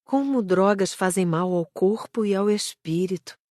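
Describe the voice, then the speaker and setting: A woman's voice: mid-range voice, normal speed, a little mellow, dry recording, clean studio sound, lightly acted. A woman playing a sorrowful, compassionate female spirit student in an audiobook. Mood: sad.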